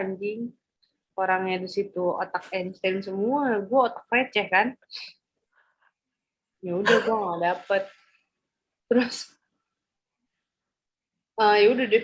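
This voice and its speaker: A woman in her twenties, a podcast host, telling stories in slangy casual chat and acting out quotes. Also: mid-range voice. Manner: slangy, animated storytelling with acted-out quotes. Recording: dull lo-fi sound.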